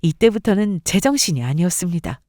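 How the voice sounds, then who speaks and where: A woman narrating a first-person drama story in an expressive, scripted style. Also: fairly low pitch, a little fast, dry recording, studio quality.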